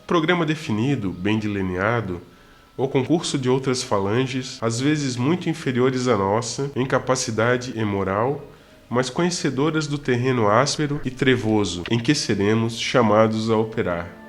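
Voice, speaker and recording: A man playing a solemn, instructive priest spirit in an amateur radio drama, speaking in a measured, sermon-like way. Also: mid-range voice, natural voice. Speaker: radio novela character.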